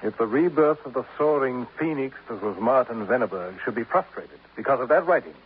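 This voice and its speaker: A man's voice: medium pitch, expressive, a little fast, lightly acted. An actor playing a pompous, grandiloquent male poet in a 1950s radio drama, speaking in a formal, self-admiring way. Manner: grandiloquent, formal, addresses others as sir. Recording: tinny, hissy old radio broadcast.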